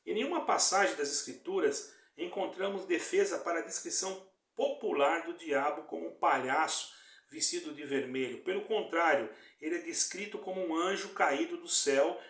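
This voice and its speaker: A man's voice: a little high, a bit bright. Earnest preacher man in an echoey room. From Brazil. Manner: earnest, repeats phrases, asks "tá entendendo?". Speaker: evangelist preacher. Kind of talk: online sermon.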